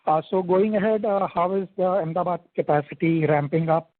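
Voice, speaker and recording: An analyst calls in over the phone, his slightly raised voice a little husky. The line is thin, dry and telephone-like. He sets out his questions one by one in a careful order. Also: high-pitched, brisk, dry recording. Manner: methodical, lays out numbered questions. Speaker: analyst caller. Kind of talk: asking questions on an earnings call. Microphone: phone handset.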